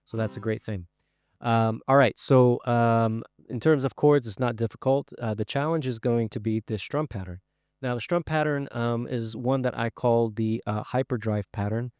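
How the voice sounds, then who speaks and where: A man teaching a guitar song in a casual, explanatory way, often pausing with uh and um. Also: medium pitch, clean tone, no echo, clean studio sound. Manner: relaxed, explanatory, many fillers like uh and um. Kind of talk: casual spoken guitar lesson.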